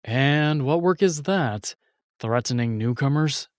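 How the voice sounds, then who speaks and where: A man's voice: mid-range voice, expressive, slow, no room sound, clean studio sound. A man playing a stern, protective royal guardian in a fantasy audio drama, speaking in a firm, serious way. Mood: suspicious, stern.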